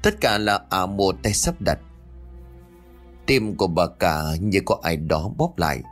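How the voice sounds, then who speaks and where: A man narrating a dramatic story in an expressive, husky voice. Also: deep voice, measured pace. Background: faint music.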